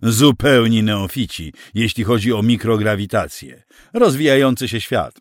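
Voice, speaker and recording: Male narrator doing a skeptical senator, low, curt and dismissive, dry sound. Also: moderate pace, dry recording, close to an everyday voice.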